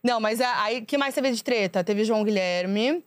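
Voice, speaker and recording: A woman's voice: a little high, moderate pace, crowd noise. A Brazilian woman hosting a casual gossip chat, talking informally. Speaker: talk show host.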